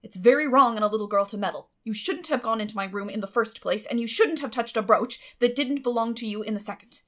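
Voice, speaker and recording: A woman voicing a stern, suspicious middle-aged farm woman with a sharp, grim way of talking in an audiobook. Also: on the high side, fast, lightly acted. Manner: sharp, grim, clipped scolding.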